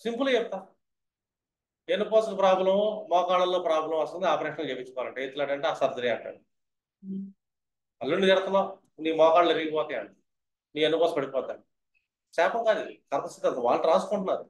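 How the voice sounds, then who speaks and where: A man's voice: on the high side, fast, long pauses, echoey room. A man teaching astrology in a lecture style, who keeps asking his listeners whether they have understood.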